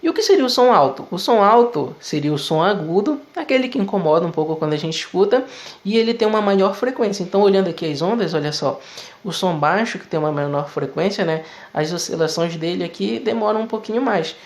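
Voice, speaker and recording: A man's voice: high voice, lively intonation, a little fast. A man teaching physics in a video lesson, explaining step by step in a conversational way with frequent tag questions.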